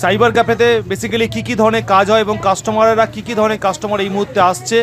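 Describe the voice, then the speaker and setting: Brisk, high-voiced Bengali man. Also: little pitch movement, a bit bright. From West Bengal, India. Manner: brisk, instructive, addresses viewers as friends. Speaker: cyber cafe owner and channel host. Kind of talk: explanatory voice-over narration.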